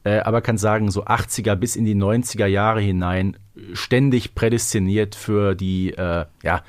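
A man's voice: on the low side, fairly even intonation, moderate pace. A man co-hosting a fan podcast in casual chat, talking colloquially and with emphasis. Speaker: podcast co-host.

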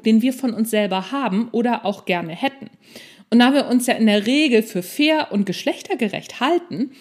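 A woman's voice: on the high side, darkish tone. A woman hosting a solo podcast in an informal, conversational way, addressing the listener directly with self-deprecating humour. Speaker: podcast host and non-fiction author.

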